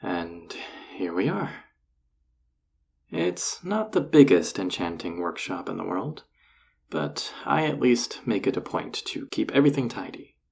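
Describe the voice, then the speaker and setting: Man playing a husky, low-voiced flirty enchanter boss. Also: a little mellow, full character voice. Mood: brisk, approving. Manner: teasing, coaxing, casually confident. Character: flirty, teasing, self-assured male enchanter boss. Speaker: voice actor. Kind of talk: intimate scripted audio roleplay addressed to the listener.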